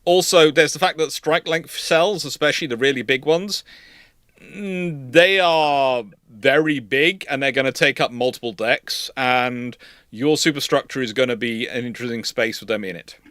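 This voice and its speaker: A man's voice: mid-range voice, moderate pace, fairly bright tone, no room sound, studio quality. A British man hosting a casual history question-and-answer stream, rambling and often stammering and repeating words as he explains. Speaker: livestream host.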